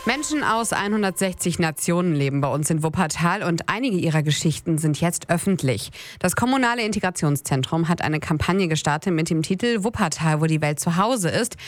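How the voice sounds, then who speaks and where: A woman anchoring a local radio newscast, reading items in an even, measured way. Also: fairly low pitch. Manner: even, measured news delivery. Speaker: news anchor. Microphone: studio mic.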